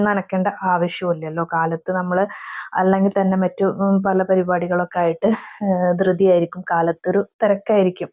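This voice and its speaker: A mother narrating her day at home in a chatty voice-over, ending sentences with soft tag words and pausing on fillers. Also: lowish voice. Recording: slightly dull lo-fi voice-over.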